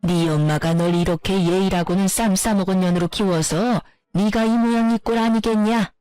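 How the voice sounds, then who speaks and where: A woman's voice: mid-range voice, moderate pace, a little mellow, dry recording, faint music behind, lightly acted. A woman voicing a contemptuous middle-aged mother-in-law who berates and insults her daughter-in-law. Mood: shouting.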